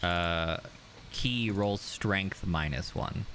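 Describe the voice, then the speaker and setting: A man's voice: low-pitched, drawn-out words, a bit bright, slight background noise. A man casually running a tabletop game as game master, conversational and improvised.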